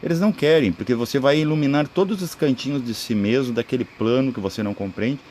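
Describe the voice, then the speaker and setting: Brazilian male, mid-pitched, informal spiritual teacher, rambling explanations with frequent checking tags, faint noise behind. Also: fast talker, darkish tone. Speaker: spiritual video creator. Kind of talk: informal spoken esoteric teaching.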